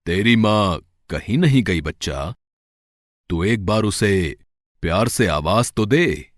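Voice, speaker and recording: A man playing a wandering Hindu sage in a moral story, calm and commanding, with slow, solemn delivery. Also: fairly low pitch, no room sound, clean studio sound. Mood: solemn, reassuring.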